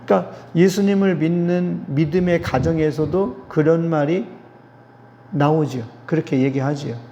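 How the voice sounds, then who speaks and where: A middle-aged man lectures like a preacher, slow and emphatic, often turning to his audience with questions. His voice sits fairly high but sounds mellow and dark. The recording is dull and lo-fi, with a long church-hall reverb and faint ambient noise. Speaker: theology professor. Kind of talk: lecture-sermon to a church gathering.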